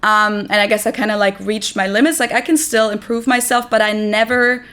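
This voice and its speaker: A woman's voice: medium pitch, brisk, clear, resonant tone. A woman in her twenties from Germany with a German accent, a native German speaker, chatting casually as an interview guest with plenty of "like" fillers. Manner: relaxed, chatty, lots of "like" fillers and light laughs. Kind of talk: casual chat.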